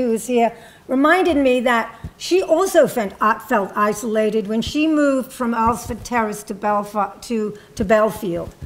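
An older woman from England, a panelist, speaking in a reflective, measured way about her past, with frequent ums and restarts, in a university hall. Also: on the high side, darkish tone. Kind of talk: personal recollection at a panel talk. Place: university hall with a seated audience.

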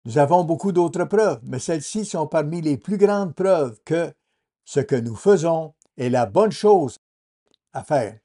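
A man giving a translated sermon as a voice-over in a measured, earnest preaching manner. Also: fairly high pitch, expressive, dark tone.

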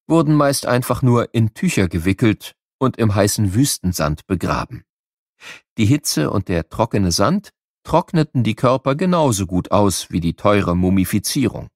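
Low, lively male narrator. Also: no room sound, studio quality. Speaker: narrator of a children's educational audiobook. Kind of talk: scripted narration, explaining to children.

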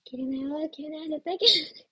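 A woman's voice: sits high, steady tone, quick pace, bright, forceful tone, dry recording. A young woman chatting casually on a livestream as an idol trainee, giggly and playful as she answers viewer comments. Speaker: idol trainee streaming live.

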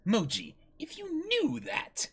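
A man's voice: very high voice, wildly swooping pitch, slow, creaky, a bit bright, breathy edge, voice pushed up, full character voice. A man voicing an irritable, theatrical pirate captain villain in a dramatic manga reading. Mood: irate.

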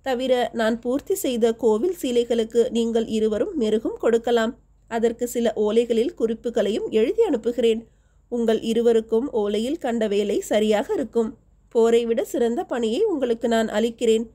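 A woman narrating a historical novel as an audiobook, reading every character's lines in her own steady voice. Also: fairly high pitch, moderate pace.

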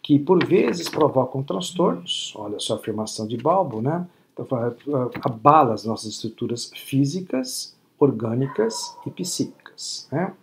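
A man's voice: mid-range voice, animated, moderate pace, vocal fry. Man in his sixties, spiritist lecturer, patient and explanatory, webcam audio with light noise. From Brazil. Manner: teacherly, frequent tag questions. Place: home room at night. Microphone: laptop webcam video call.

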